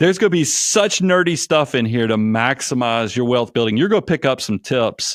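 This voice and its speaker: A man with a Southern US accent speaks at a medium pitch, fairly quickly and with hardly any pauses. His intonation is lively, and the sound is dry and close with no echo. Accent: Southern twang. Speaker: financial advisor and podcast host. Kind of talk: interview. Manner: animated.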